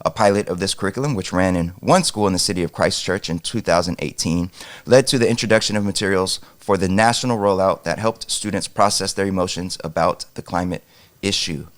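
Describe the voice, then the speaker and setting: Male co-host, lower register, upbeat segment lead-ins and news reads. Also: a little fast. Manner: upbeat, steering the show's segments. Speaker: podcast co-host. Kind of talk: reading news headlines and casual chat.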